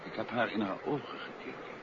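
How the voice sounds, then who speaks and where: Casting: man to play unruffled radio-play detective, emphatic and expressive, assured husband type; dull, hissy 1950s sound. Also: fairly low pitch, lightly acted. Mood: teasing, assured. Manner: confident, emphatic, measured. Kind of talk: 1950s Dutch radio drama acting. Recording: muffled, noisy 1950s radio recording.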